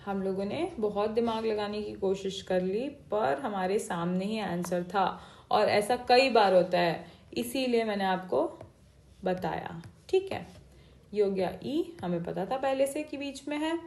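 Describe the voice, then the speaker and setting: A woman's voice: mid-range voice, unhurried, creaky, darkish tone, slight background noise. A woman teaching an exam-prep reasoning class, explaining each step and mixing Hindi and English. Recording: echoey room.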